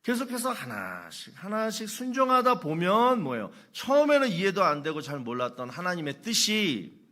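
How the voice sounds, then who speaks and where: A man's voice: high voice, wildly swooping pitch, normal speed, pushed and bright. A middle-aged male pastor preaching a sermon, asking rhetorical questions and telling humorous anecdotes.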